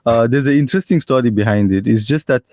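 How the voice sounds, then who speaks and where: A man answers radio interview questions in a steady, measured voice, often stopping and restarting his sentences. His pitch sits mid-range. The studio sound is dry and close to the mic. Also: no room sound. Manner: measured, frequent restarts, modest. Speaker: guest, restaurant owner.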